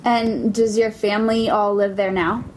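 Woman asking casual interview questions, middle pitch. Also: fairly even intonation, moderate pace, a little hiss or hum, low-quality recording. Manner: curious, prompting questions.

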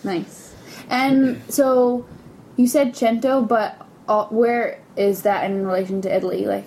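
A woman's voice: a little high, fairly even intonation, a little slow, a little mellow, slight background noise, low-quality recording. A woman interviewing a guest, asking curious, prompting questions in a casual way.

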